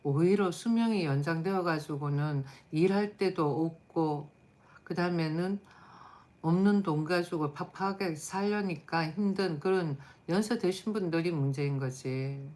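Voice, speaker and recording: A woman's voice: lowish voice, unhurried, darkish tone. A middle-aged woman hosting a live stream, chatting casually and bluntly with viewers while tired. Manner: blunt, chatty, answers chat comments aloud.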